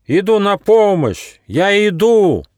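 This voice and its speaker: A man's voice: on the low side, measured pace, no room sound, studio quality. A man voicing a wise, stern little gnome in a children's storybook. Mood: shouting. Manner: calm, stern, knowing.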